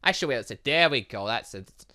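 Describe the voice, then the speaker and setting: A man's voice: mid-range voice, animated, brisk, bright, forceful tone. A man doing let's play commentary on a visual novel, reacting aloud and rambling off into asides. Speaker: gaming YouTuber reading a visual novel aloud.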